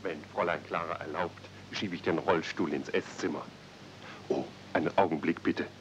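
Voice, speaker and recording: An actor playing a polite, wry manservant of a wealthy house in a radio play. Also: male voice, low voice, steady tone, normal speed, natural voice. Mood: deferential. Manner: courteous, servile, wry. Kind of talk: 1970s radio play acting. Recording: muffled, noisy old cassette.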